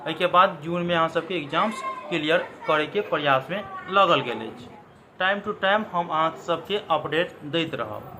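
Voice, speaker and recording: A man hosting a channel, talking straight to viewers and repeating key points to explain them. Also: high-pitched. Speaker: channel host giving exam news. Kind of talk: direct-to-viewer update. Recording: faint background noise.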